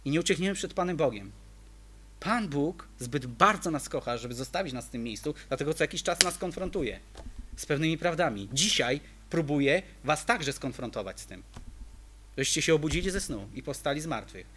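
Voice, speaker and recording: A man delivering a sermon with a bright, forceful tone. He presses his points with emphatic rhetorical questions aimed at the congregation. His high voice swoops up and down as he preaches. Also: animated, normal speed.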